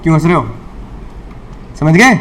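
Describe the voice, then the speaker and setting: A middle-aged man with a fairly high voice lectures a classroom on law. He quizzes the students and answers his own questions, repeating key points. He slips English legal terms into Hindi and teases the class now and then. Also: expressive, moderate pace, a bit bright.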